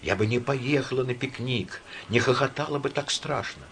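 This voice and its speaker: A man's voice: medium pitch, moderate pace, vocal fry, fairly bright tone, slight background noise, voice pushed up. A man reading an audiobook voices a tearful, guilt-stricken young woman who sobs and pleads. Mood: tearful, desperate. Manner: sobbing, pleading.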